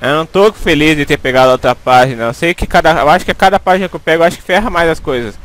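A man's voice: on the high side, racing, fairly bright tone. A young Brazilian man with a Brazilian Portuguese accent giving jumpy, swearing commentary as he plays a horror game into a headset. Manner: jumpy, swearing, panicky pleading. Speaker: gaming YouTuber.

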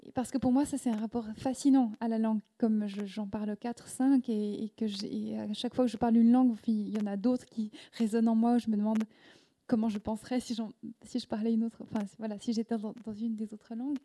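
Guest author, woman in her thirties, Korean as first language; higher-pitched but very warm, mellow tone, handheld mic, halting reflective delivery. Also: fairly even intonation. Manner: thoughtful, halting, with many restarts and fillers. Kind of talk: reflective interview answers. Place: indoor event room with audience. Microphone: handheld microphone.

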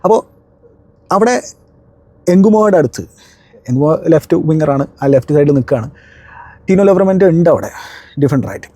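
A man's voice: on the high side, animated, fairly quick, pauses often, warm tone, no echo. A man reviewing a football match in a conversational analyst style, breaking into emphatic exclamations.

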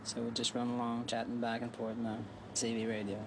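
A man, a truck driver, recalling events in a plain-spoken, halting interview. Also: mid-range voice, completely flat delivery. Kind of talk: interview recollection. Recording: loud background noise.

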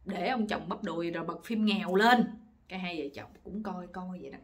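A woman telling a bawdy story casually to viewers, lively and gossipy, laughing often. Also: lowish voice, a little fast. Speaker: storytelling channel host.

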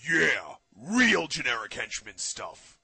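A man's voice: mid-range voice, wildly swooping pitch, slow, vocal fry, sharp tone, husky, no echo, full character voice. A man voicing a dim-witted young henchman in a fan parody dub, dopey and whiny.

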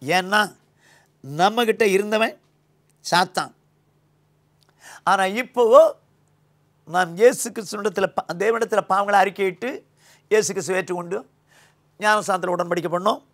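An older pastor with a Tamil accent preaches at a moderate pace, leaving long pauses. He's recorded on a lapel mic in a small indoor studio, and his delivery shifts between loud emphasis and low, quiet lines.

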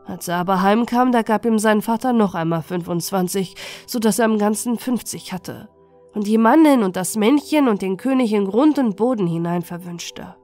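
A woman narrating a fairy tale as a calm, soothing bedtime story. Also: mid-range voice, moderate pace, faint music behind. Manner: gentle, soothing.

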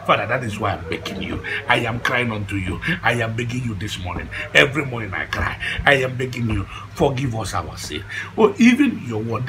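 A man's voice: mid-range voice, noisy background. A man with a Nigerian Igbo accent playing a devout, easily indignant older father in a comedy film, theatrical and repetitive, mixing English and Igbo. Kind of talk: comedy film acting with loud pleading prayer.

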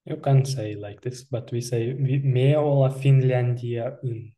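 Dark-voiced young man, native Komi speaker. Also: medium pitch, steady tone. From Komi Republic, Russia. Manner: patient, explanatory, with pauses. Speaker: guest. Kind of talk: casual video-call interview. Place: small room indoors. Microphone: headset.

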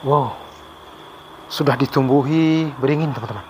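A man's voice: medium pitch, normal speed. A middle-aged man narrating to viewers while exploring an abandoned overgrown building at night, on a handheld camera. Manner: addresses viewers, calls out loudly to spirits. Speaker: ghost-hunting vlogger. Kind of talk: hushed exploring commentary. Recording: faint night insect noise. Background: crickets and insects.

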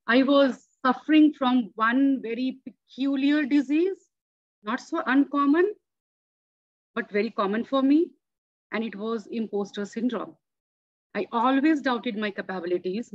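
A woman's voice: fairly high pitch, no echo. A woman in her forties whose first language is Hindi, giving an earnest impromptu club speech over a video call. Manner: earnest, emphatic, gestures while speaking. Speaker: club member answering a table topic. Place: home room. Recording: dull lo-fi video call audio.

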